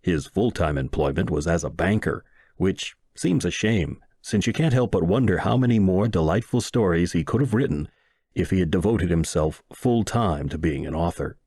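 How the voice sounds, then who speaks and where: A man reads a comic short story as an expressive narrator. His voice sits fairly low and moves around a lot in pitch. The sound is dry, with very little room in it. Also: normal speed, breathy edge, no echo. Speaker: audiobook narrator and reader.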